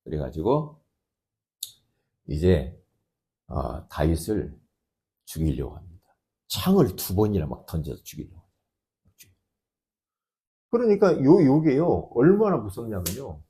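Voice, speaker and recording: A man preaching a sermon as pastor, emphatic, swinging between loud outbursts and quiet asides. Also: low-pitched, huge pitch swings, measured pace, long pauses.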